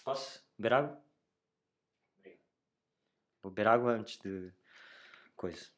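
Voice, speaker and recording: Speaking with a fairly low pitch, this young adult podcast host has a European Portuguese accent. Alone on the mic, he keeps things loose and slangy, pausing as he works through his thoughts and talking straight to the audience.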